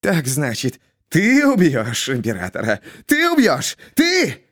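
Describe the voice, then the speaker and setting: A man voicing a mad, erratic jester from a storybook who hisses and breaks into shouts. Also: a little high, wildly swooping pitch, slow, exaggerated voice. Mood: hissing. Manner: jumpy, hissing, bursts into shouts.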